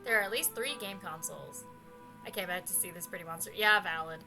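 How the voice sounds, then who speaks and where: A woman's voice: lowish voice, fairly quick, low-quality recording. A woman hosting a game video, switching between reading narration aloud and playful casual commentary. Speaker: gaming video host. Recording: background music under the voice.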